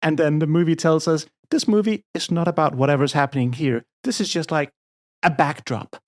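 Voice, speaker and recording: A woman co-hosting a comedy podcast, talking through a film in a rambling, irreverent way with quick asides. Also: sits low. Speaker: podcast co-host. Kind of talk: casual comedic chat about a film.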